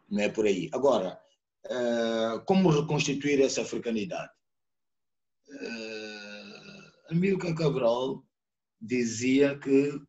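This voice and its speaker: This guest speaker is a Mozambican poet and sociologist whose Mozambican Portuguese accent comes through as he gives a reflective lecture-style talk live online from home. He hunts for words, pausing and repeating himself. His pitch is medium, and the audio from his video-call computer or phone mic is dull.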